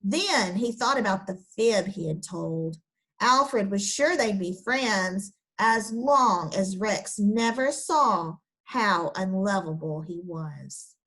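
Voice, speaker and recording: A young woman teacher reading a children's picture book aloud and then talking through its lesson with her class. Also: poor audio. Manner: slow, expressive storybook reading with lively pitch.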